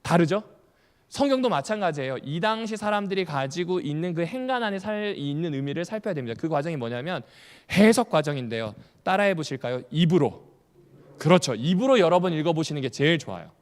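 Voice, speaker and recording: A man's voice: on the high side, lively intonation, fairly quick. A male pastor giving a Bible study lecture, asking the audience questions and repeating key points, with humorous asides. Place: church hall. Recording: long hall reverb.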